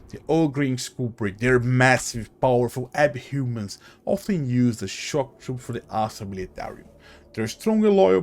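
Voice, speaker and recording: A man giving casual video game commentary as host, halting and thinking aloud as he goes. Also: medium pitch, gravelly, a little mellow.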